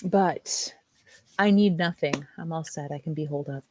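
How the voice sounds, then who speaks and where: A woman's voice: deep voice, moderate pace, heavy background noise. A woman co-hosting a casual chat, blunt and sardonic, who laughs easily. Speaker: co-host.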